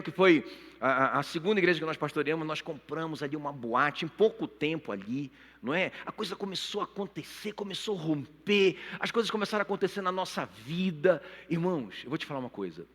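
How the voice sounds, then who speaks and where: A man's voice: on the high side, lively intonation, a little fast, a bit bright, breathy edge. A middle-aged man preaching a sermon and telling a personal story with strong emotion, often turning to speak straight to the congregation. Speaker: pastor. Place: church auditorium. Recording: long reverb of a church hall.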